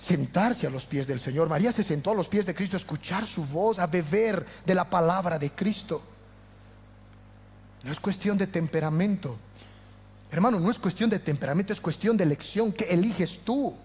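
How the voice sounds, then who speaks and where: High-voiced impassioned pastor in reverb. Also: male voice, moderate pace, breathy edge. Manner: impassioned, swinging from loud to hushed. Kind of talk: sermon.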